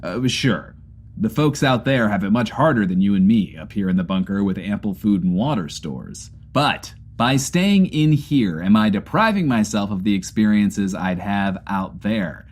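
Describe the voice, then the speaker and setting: A man's voice: on the low side, animated, moderate pace. An actor playing a neurotic, self-absorbed radio host who broadcasts from a bunker. He mocks himself, then turns grandiose, in a comedy audio drama. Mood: wry.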